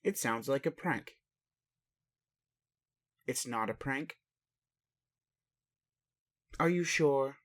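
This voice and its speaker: Man playing a slow-spoken, puzzled alien caretaker. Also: mid-range voice, a bit bright. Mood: suspicious, puzzled. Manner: formal, halting, inquisitive, literal-minded. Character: puzzled, caring male alien caretaker aboard his spaceship. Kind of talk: roleplay audio addressed to the listener.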